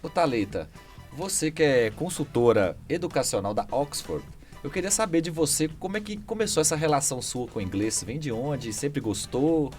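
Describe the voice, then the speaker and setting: Man, podcast host, expressive lively intonation, friendly questions, faint music behind. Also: a little high, normal speed. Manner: friendly, chatty interviewer. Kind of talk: casual podcast conversation.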